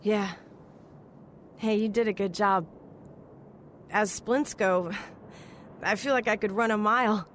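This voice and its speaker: A woman's voice: mid-range voice, steady tone, slow, pauses often, fairly bright tone, a little hiss or hum. An actress playing a plucky, frank female survivor of a spacecraft crash in an audio drama. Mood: wry, grateful.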